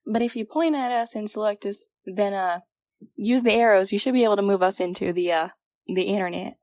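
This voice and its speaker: A woman's voice: mid-range voice, brisk, a little mellow, no echo, natural voice. A woman playing an improvising leader in an audio drama, explaining things hesitantly as she thinks under pressure. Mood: urgent, thinking.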